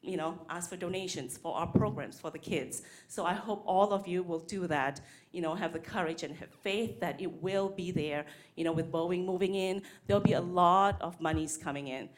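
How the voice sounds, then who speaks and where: A woman speaks at a school board podium microphone, her voice sitting low. She is earnest and hesitant, with many ums and restarts as she makes her public comment. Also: moderate pace. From Malaysia. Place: board meeting room.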